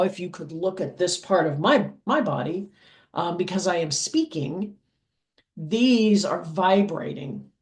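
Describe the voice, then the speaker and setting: A woman with a deep voice for a woman, teaching anatomy in a patient lecture style, checking in with "okay?" and filling pauses with "um". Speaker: anatomy instructor. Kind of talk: slow explanatory lecture over diagrams.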